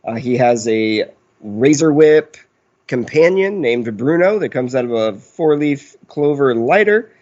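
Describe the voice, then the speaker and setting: A man's voice: medium pitch, animated, a little slow, a little mellow, muffled recording. A man in his thirties chatting casually as a podcast player, rambling and joking as he goes. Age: 30s. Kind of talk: casual chat.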